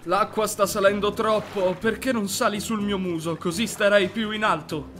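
Cunning cartoon fox, high bright voice, coaxing, falsely helpful. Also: male voice, fairly even intonation, moderate pace, faint music behind. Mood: sly coaxing. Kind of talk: children's cartoon voice acting.

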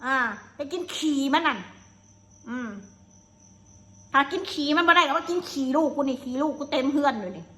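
A woman's voice: high voice, expressive, moderate pace, pauses often, bright, forceful tone. A woman with a Lao accent, live streaming alone and angrily cursing and hurling insults. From Laos. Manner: angry, cursing, insulting tirade. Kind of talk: solo live-stream rant.

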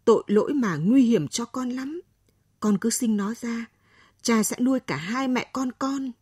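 Give me a woman doing a patient, pleading aging father from a radio storybook. He talks slowly and tenderly. The voice is breathy and sits close on a dry recording. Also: very high-pitched, lively intonation, darkish tone, dry recording, exaggerated voice. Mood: gentle pleading.

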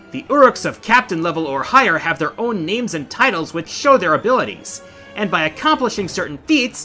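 A man's voice: sits high, bright, forceful tone. A middle-aged man hosting a countdown in scripted video essay narration, with an emphatic, theatrical delivery. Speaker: video game countdown host.

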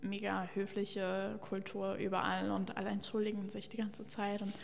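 A woman's voice: medium pitch, flat delivery, normal speed, vocal fry. A young woman from Luxembourg, a journalist and podcast guest, talking candidly and with opinions into a stand mic, with many fillers. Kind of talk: casual interview talk. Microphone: studio mic on a stand. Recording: long reverb of a bare room.

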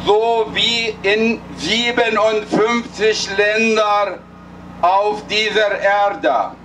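Slow, high-voiced older man. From Egypt. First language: Arabic. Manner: solemn, deliberate, with halting restarts. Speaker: rally speaker. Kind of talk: political rally speech. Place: outdoor night rally in a city square. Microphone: handheld mic, filmed by a distant camera. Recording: far-off voice with street noise.

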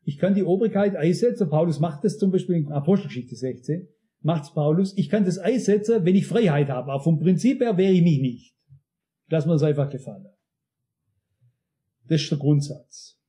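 Male preacher, high-pitched and bright, insistent sermon delivery with direct questions to the congregation. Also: lively intonation, moderate pace. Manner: emphatic, addresses the congregation directly with frequent questions. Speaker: pastor.

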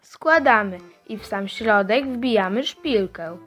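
A woman presents a craft tutorial for children, with music playing behind her. Her voice sits at an average pitch for a woman as she narrates each step. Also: animated, slow.

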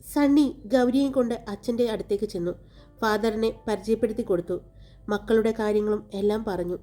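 A woman narrating a romantic audiobook story in a calm, even way. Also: medium pitch, fairly quick. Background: faint background music.

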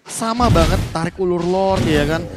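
A man's voice: high-pitched, normal speed. A man with an Indonesian accent giving live esports commentary and analysis as a caster. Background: music under the commentary.

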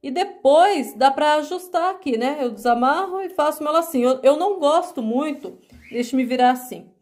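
A woman's voice: sits high, lively intonation, normal speed, darkish tone. A woman crochet vlogger from Brazil, chatting affectionately at home as she shows her work to viewers. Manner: affectionate, chatty, calls viewers "meus amores" and "gente". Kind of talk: casual show-and-tell vlog.

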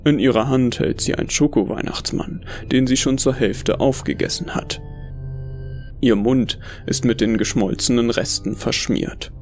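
A man narrates a scripted first-person horror tale. His voice has a gravelly fry and a measured, brooding delivery. Music sits underneath. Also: medium pitch, a little mellow.

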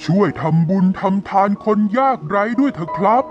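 A man's voice: high voice, expressive, normal speed, muffled recording, over music. A man playing a polite, earnest company president who poses as a poor beggar in a cartoon story. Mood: pleading. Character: company president posing as a blind, grateful beggar.

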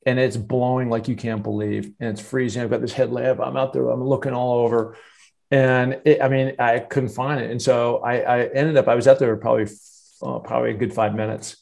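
A man in his fifties, a guest on a video-call interview, telling a long story in an animated, rambling way with many restarts. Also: medium pitch, a little fast, vocal fry. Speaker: interview guest, former football player. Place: home office with wood cabinet. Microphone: earbud headset on video call.

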